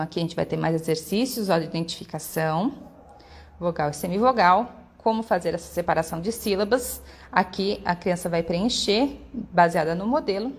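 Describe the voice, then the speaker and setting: A woman presenting children's schoolwork materials, explaining each exercise and often ending sentences with quick check-in questions. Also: medium pitch. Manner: explanatory, frequent "né?" and "tá?" tag questions; models stressed syllables and examples aloud. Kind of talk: walkthrough of a workbook.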